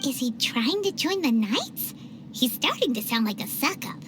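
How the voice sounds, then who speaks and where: A woman's voice: high voice, very animated, normal speed, noisy background. A woman voicing a tiny floating female game companion, cheeky and childlike, who speaks of herself by name. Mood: teasing. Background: game music.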